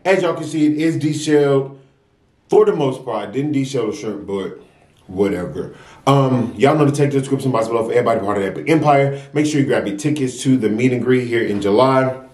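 A man's voice: medium pitch, brisk, a little mellow. A young American man chatting casually and slangily to his viewers as an eating-show vlogger, between mouthfuls. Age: young adult. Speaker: mukbang vlogger. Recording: roomy echo, distant mic.

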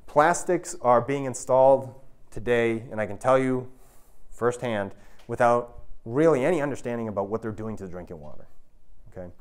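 A man's voice: medium pitch, moderate pace, smooth. An American man in his thirties lecturing to an audience in an emphatic, explanatory manner, often checking in with the listeners. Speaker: university researcher giving a public talk. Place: indoor lecture room with an audience.

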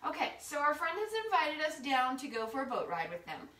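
Very animated and brisk, her high-sitting voice is bright and forceful as she walks a yoga class through each step with playful, informal encouragement. The recording was made indoors in her living room by a camera across the room, so it sounds roomy and distant.

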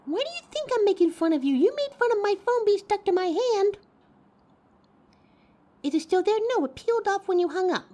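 Very high-pitched, teasing lady thief played by a woman. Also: animated, fairly quick, mellow. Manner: playful banter. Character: teasing, wisecracking female thief planning a heist. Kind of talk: audio drama monologue.

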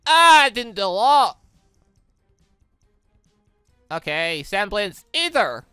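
A British gamer giving excitable, rambling let's play commentary and often breaking off mid-thought. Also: medium pitch, measured pace, clear, resonant tone, dry recording, studio quality. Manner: excitable, rambling, self-interrupting. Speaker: gaming video host. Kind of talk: let's play commentary, reading dialogue aloud. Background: game music.

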